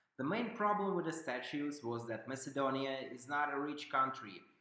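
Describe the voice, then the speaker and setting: A man talks with a non-native accent. His pace is moderate. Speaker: travel vlogger. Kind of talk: travel vlog narration. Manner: casual, irreverent.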